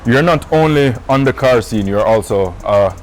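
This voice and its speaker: A man's voice: medium pitch, expressive, moderate pace, a little hiss or hum. A man with a Jamaican accent presenting and interviewing as host of an entertainment and lifestyle show, using patois slang.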